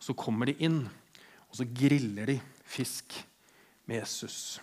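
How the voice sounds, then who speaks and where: A man delivering a heartfelt sermon in Norwegian. He talks with quiet earnestness and often speaks the lines of the people in the passage he retells. His voice sits at an ordinary middle pitch for a man. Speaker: preacher.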